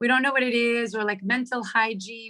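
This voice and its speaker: A woman with a slight New York accent, fairly quick pace and monotone, flat intonation. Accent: slight New York accent from recent visit. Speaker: lifestyle coach. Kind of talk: workshop talk. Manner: casual, with many fillers.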